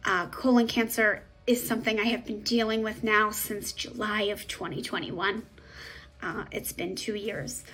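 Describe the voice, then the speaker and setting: A woman's voice: mid-range voice, a bit bright, husky, poor audio. A woman in her thirties speaking matter-of-factly in a testimonial interview. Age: 30s. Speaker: patient sharing her story.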